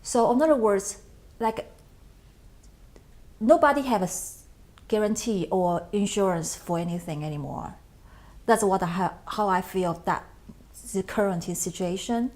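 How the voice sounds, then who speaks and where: A middle-aged woman from Taiwan, an English speaker who talks in halting sentences with many restarts as an interview guest. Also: medium pitch, a little mellow. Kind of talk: interview conversation.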